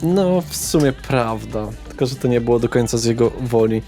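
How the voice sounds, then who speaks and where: Casual game master over clear music. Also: medium pitch, animated, normal speed, mellow. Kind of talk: improvised tabletop game narration.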